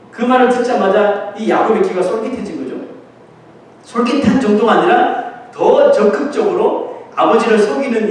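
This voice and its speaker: A pastor preaches from a church hall, his high voice ringing with heavy echo. He is picked up from a distance, with a faint hiss underneath. He tells the story with animation and acts out the voices of its people. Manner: animated storytelling, acting out quoted voices with laughs. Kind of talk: sermon. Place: church sanctuary.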